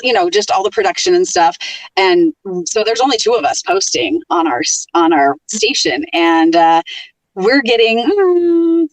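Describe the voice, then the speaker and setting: An animated woman who programs and hosts radio chats casually as a podcast guest. She speaks at an ordinary middle pitch. Her voice is dry and sits slightly back from the microphone. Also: no echo, far from the mic, rough recording. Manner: animated storyteller, lively tone. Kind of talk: casual interview chat.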